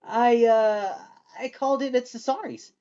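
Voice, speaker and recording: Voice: medium pitch, a little slow, mellow, dull audio, pitched above the performer's own voice, lightly acted. A storyteller voicing an earnest, friendly teenage boy wizard's apprentice in a storybook, eager and reassuring. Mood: sheepish, peacemaking.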